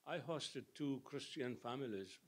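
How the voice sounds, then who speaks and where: A man's voice: medium pitch, lively intonation, measured pace, husky. A man from Iraq in the audience, telling an earnest, emphatic story and asking the speaker a question. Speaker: audience member.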